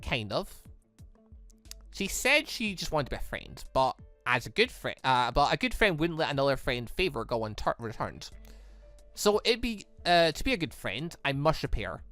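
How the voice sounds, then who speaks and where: A let's-player voices an earnest, curious newcomer hero of a visual novel game. The delivery is hesitant and apologetic, bright and variable in pitch, recorded dry. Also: very animated, moderate pace, no room sound, faint music behind.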